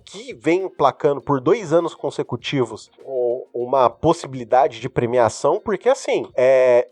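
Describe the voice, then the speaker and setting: Male podcast co-host, bouncy lively pitch, emphatic and slangy, dry close sound. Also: no echo. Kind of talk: casual podcast chat.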